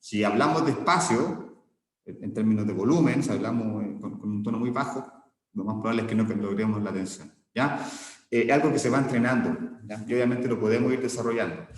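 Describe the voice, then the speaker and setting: A man's voice: fairly low pitch, a little fast. A man teaching an online class, explaining step by step with frequent check-ins and small restarts. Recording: echoey room with long reverb.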